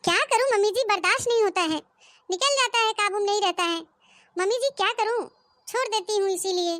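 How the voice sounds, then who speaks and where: A woman's voice: extremely high pitch, fairly quick, a bit bright, dry recording, studio quality. A woman voicing a cheeky young daughter-in-law in a comic cartoon, talking back in a whiny, defiant way. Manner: whiny, defiant, sing-song pleading.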